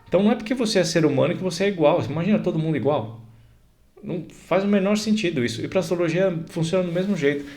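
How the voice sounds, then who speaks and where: A man's voice: fairly high pitch, darkish tone. A man with a Brazilian Portuguese accent, an astrologer explaining ideas in a casual, conversational way and often checking that the listener follows. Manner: conversational, repeats examples, checks in with "certo?" and "tá?".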